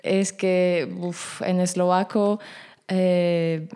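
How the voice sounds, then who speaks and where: A woman whose first language is Slovak, speaking as a podcast guest in a casual chat, pausing often with fillers. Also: lowish voice, little pitch movement, warm tone, clear, resonant tone. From Slovak minority in Romania. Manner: hesitant, many fillers.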